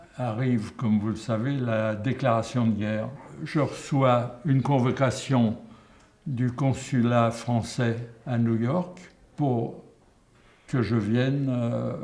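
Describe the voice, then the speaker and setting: The speech moves at a very slow pace with long, frequent pauses. Audible room echo and noticeable background noise are present. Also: man, medium pitch for a man, fairly even intonation. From France, Paris. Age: 90s. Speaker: war veteran. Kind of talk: testimony.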